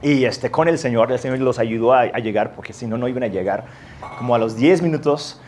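Male preacher, mid-range voice, animated storyteller who acts out the people in his story, faint room hum behind. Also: mid-range voice, a little fast. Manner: animated, self-mocking anecdote with lively voiced quotes. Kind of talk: storytelling sermon.

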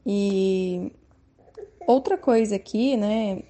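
A woman in her thirties with a Brazilian Portuguese accent, calmly sharing parenting tips from her own home life in an unhurried, soft-spoken way. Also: mid-range voice, slight background noise. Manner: soft-spoken, unhurried, frequent tag questions. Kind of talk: calm personal testimony.

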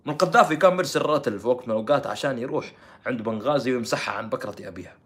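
A man's voice: mid-range voice, very fast, fairly bright tone. A man giving heated political commentary, mocking and firing rhetorical questions.

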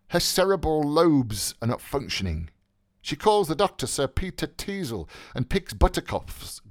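A man voicing a brash, mocking young male medical student, quick and flippant. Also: on the high side, no echo, studio quality, voice pushed up.

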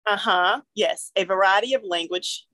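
A woman co-hosting a casual podcast, her voice sitting at an ordinary pitch. She explains at length with frequent ums and restarts. The sound is dry and close. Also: moderate pace, a bit bright, dry recording. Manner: explaining, hesitant with many fillers. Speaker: podcast co-host.

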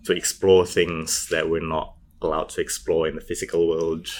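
A man in his thirties from Indonesia, speaking English as an interview guest, thoughtful and halting with many fillers. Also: rumbling low, little pitch movement. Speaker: guest, poet and PhD student. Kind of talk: casual interview answers.

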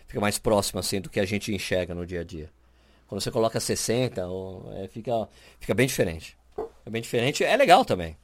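A man's voice: on the low side, lively intonation, a little fast, no room sound. A man from Brazil co-hosting a podcast, chatting casually and explaining camera settings with lots of fillers and restarts. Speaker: podcast co-host. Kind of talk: casual chat.

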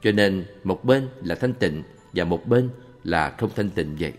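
Deep-voiced man reading Buddhist answers. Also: lively intonation, a little slow. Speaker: reader of a monk's answers. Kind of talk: calm read-aloud Buddhist Q&A. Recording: long reverb with faint background music.

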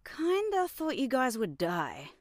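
A woman's voice: sits high, huge pitch swings, slow pace, no echo, studio quality, exaggerated voice. A woman playing a pessimistic young spellcaster in an audio drama, offhand and blunt. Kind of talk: naturalistic audio drama acting.

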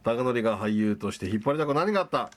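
Kansai-accented male radio host, lively teasing delivery, quick comic jabs. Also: lowish voice. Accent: Kansai Japanese. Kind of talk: casual radio banter.

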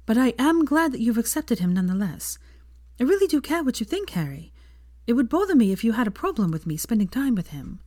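A woman reading the lines of a young woman who is a patient but prickly friend, speaking in a brisk, earnest way. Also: a little high, big pitch swings, a little mellow, no room sound, clean studio sound, pitched above the performer's own voice. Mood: earnest, annoyed.

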